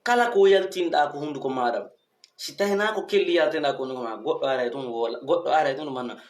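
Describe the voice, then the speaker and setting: A fairly high-voiced man talks informally to his followers. He is emphatic, throwing out rhetorical questions, and the room adds a strong echo. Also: quick pace. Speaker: online commentator addressing followers. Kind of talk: informal commentary monologue to followers. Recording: echoey untreated room.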